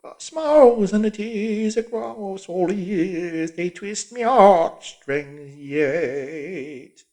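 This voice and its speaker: A woman voicing a sturdy working-class washerwoman of fifty who sings in a slow, drawn-out way, as a storybook character. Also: medium pitch, animated, mellow, voice pushed up. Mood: wistful singing.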